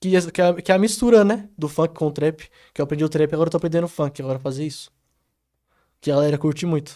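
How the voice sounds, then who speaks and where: The delivery is very fast. The tone is dark and mellow. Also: man, fairly high pitch for a man, ordinary pitch variation. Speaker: beatmaker and music producer. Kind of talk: casual chat.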